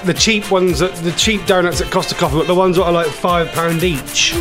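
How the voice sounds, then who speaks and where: A man's voice: high voice, a little fast, over music. A British man hosting a casual radio show from his home conservatory, joking and sounding exasperated as he banters. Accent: British English. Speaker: online radio show host.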